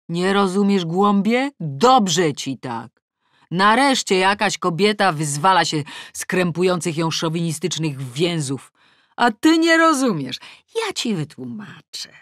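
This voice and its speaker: A woman reading a novel aloud in the first person. She moves between sharp, scornful asides and a calm, measured advice-column voice. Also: deep voice, no room sound, clean studio sound. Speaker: audiobook narrator. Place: recording booth. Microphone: studio microphone.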